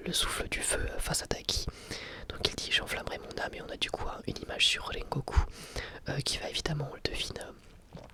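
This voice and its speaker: An ASMR creator whispering a casual review, speaking haltingly in short phrases. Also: medium pitch. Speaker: ASMR YouTuber reviewing anime.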